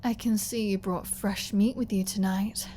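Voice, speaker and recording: A woman's voice: mid-range voice, fairly even intonation, normal speed, dark tone, slight background noise, close to an everyday voice. A woman voicing a flirty, sarcastic, defiant female vampire in a scripted ASMR audio roleplay. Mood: snarky, playful. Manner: sarcastic, teasing, playful.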